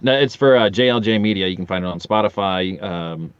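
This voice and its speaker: A man's voice: sits low, brisk, clear, resonant tone, dry recording, highs cut off. A man in his forties chatting casually as a podcast guest, telling rambling, jokey anecdotes with casual swearing. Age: 40s.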